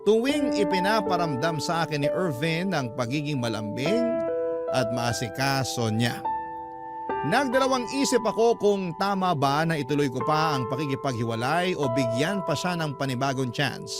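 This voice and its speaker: A man's voice: on the high side, expressive, normal speed, close to an everyday voice. A man narrating as a young woman who earnestly confides her relationship troubles to a radio host. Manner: earnest, confessional. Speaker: letter-sender narrator. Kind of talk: dramatized first-person letter reading. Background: loud background music.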